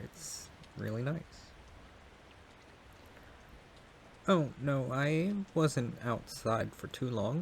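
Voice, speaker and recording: Man playing a shy, gravelly-voiced young neighbor guy. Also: medium pitch, a little hiss or hum. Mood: grateful, sheepish. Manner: hesitant, apologetic, stammering, soft-hearted. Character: shy, polite, kind young male neighbor caught in rain. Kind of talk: intimate ASMR roleplay audio drama.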